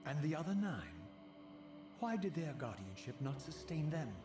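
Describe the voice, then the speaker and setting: An actor playing a bitter, proud undead wraith in a video game, speaking in a formal, theatrical way. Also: male voice, a little high, sing-song, moderate pace. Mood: probing. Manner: formal, dramatic, theatrical delivery. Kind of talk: scripted video game cutscene acting. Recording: echoey, distant game audio over music.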